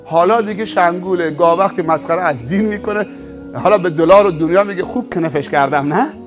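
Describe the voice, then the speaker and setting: A male preacher telling a story in a sermon, with dramatic, swelling emphasis. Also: sits high.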